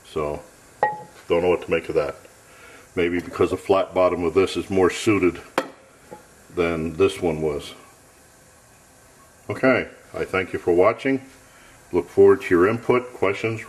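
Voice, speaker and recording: A man casually narrating a camping stove test off camera in a cluttered home workshop, thinking aloud in a plain, matter-of-fact way. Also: deep voice. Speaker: gear tester.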